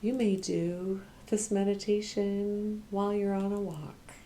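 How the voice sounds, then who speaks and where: A woman guiding an ASMR meditation as a Reiki practitioner, speaking in a soft, hushed, soothing way with long pauses and occasional whispering. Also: medium pitch, steady tone, a little hiss or hum.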